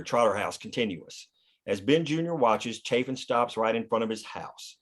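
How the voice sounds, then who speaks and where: A man reading scripted stage directions as the narrator of a screenplay table read. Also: on the low side.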